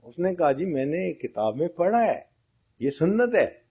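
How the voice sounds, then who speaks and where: A man's voice: fairly high pitch, sing-song, breathy edge. A man giving a religious lecture, telling funny anecdotes and asking his audience questions. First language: Pashto-region colleagues mentioned, not him. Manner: storytelling, asks the audience questions. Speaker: Islamic lecturer. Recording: dull lo-fi audio.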